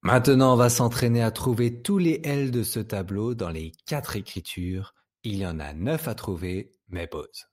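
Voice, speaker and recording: A man with a French accent teaching young children to read, saying each sound slowly and patiently. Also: fairly low pitch, darkish tone. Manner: patient, speaks words slowly and distinctly. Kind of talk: slow, clear reading lesson for young children.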